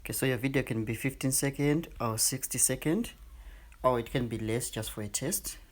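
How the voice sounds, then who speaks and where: Guy hosting a how-to video, walking thru an app step by step, normal mid pitch. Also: moderate pace. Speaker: tutorial host.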